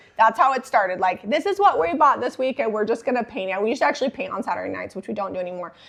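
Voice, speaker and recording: With an American accent, a woman speaks very fast, with hardly any pauses and lively intonation. Her pitch is fairly high, and background noise is noticeable. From US Midwest. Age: 40s. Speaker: thrift upcycling YouTuber. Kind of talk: podcast interview.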